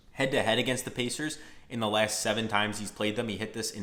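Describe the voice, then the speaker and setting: Audible echo from the room surrounds the man as he talks. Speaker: sports betting picks youtuber. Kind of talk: sports betting tutorial. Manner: fast; animated.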